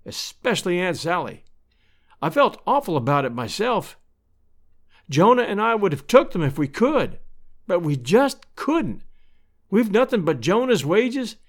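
A man's voice: sits high, voice pushed up. A man voicing a cheery, kind-hearted, talkative rural married woman from a storybook, in a folksy, fretful manner. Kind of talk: storybook character voice.

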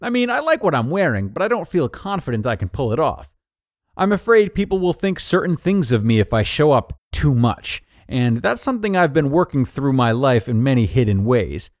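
A man reading a scripted personal advice article aloud in an upbeat, tidy manner with clear phrasing. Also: mid-range voice, sing-song, normal speed, no room sound, studio quality.

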